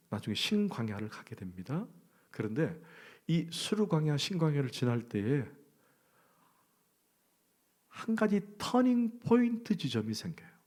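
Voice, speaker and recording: A middle-aged man preaching a sermon, talking conversationally and asking the congregation questions. He swings from loud emphasis to hushed, near-whispered lines. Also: on the high side. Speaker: pastor.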